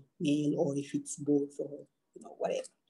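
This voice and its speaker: A dark, mellow tone at a moderate pace, with a Malian accent. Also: woman. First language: Bamana. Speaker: storyteller. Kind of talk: panel talk.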